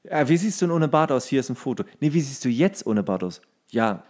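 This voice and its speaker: A man's voice: medium pitch, lively intonation, fairly quick, darkish tone. A man co-hosting a podcast, telling humorous stories in casual chat and acting out the dialogue as he goes. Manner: acts out dialogue within his stories. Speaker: podcast co-host and actor telling casting stories.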